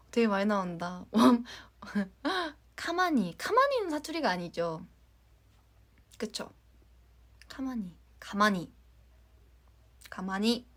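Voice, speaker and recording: A young woman from Jeonju with a light Jeolla accent, chatting casually with fans on a livestream, giggling and sometimes dropping into a soft whisper. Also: medium pitch, very animated, extremely slow, pauses often. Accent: light Jeolla Korean. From Jeonju, Korea. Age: young adult. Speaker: idol livestream host.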